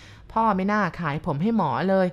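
A woman's voice: medium pitch, moderate pace, dull audio, close to an everyday voice. A woman voicing the ghost of a little boy with a topknot who pleads with his parents in a dream. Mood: reproachful.

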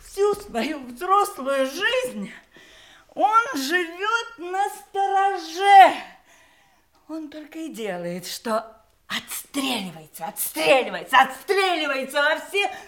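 A high-voiced, fierce grown daughter. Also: female voice, big pitch swings, slow, a bit bright, full character voice. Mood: impassioned. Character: embittered grown daughter, fiercely defending her brother. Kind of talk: stage drama acting for audio play.

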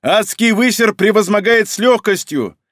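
A man voicing a gruff male squad captain who barks orders and swears coarsely. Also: medium pitch, animated, unhurried, a little mellow, no echo, clean studio sound. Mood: shouting.

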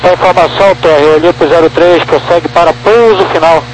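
A man's voice: on the high side, fairly even intonation, fairly quick, background noise. A man with a Brazilian accent speaking as a pilot, making short reports to the tower over aircraft radio. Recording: humming aircraft radio transmission.

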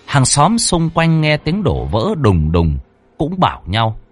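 A man narrating a ghost story in a lively, expressive, dramatic way. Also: a little high, slow, slightly rough, faint music behind.

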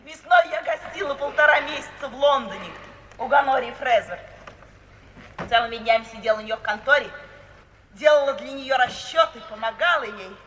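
An actress playing a brisk, self-assured, unsentimental young woman in a 1950s radio play, speaking decisively and matter-of-factly. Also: high voice, fairly bright tone. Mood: animated, amused. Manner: matter-of-fact, decisive, bluntly insistent. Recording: old hissy radio recording, roomy and distant.

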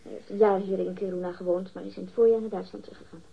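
A woman's voice: mid-range voice, fairly even intonation, racing, creaky, slightly rough. An actress in a radio drama playing a catty, defensive woman witness, disdainful and emphatic as she gossips. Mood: guarded. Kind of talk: acted radio drama dialogue. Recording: dull, muffled lo-fi radio recording.

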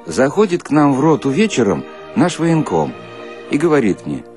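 A man's voice: mid-range voice, huge pitch swings, normal speed, a little mellow, soft background music, voice pushed up. A man playing a naive, illiterate soldier who tells a comic story in a folksy, colloquial, simple-hearted way. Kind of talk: dramatic reading of a comic short story.

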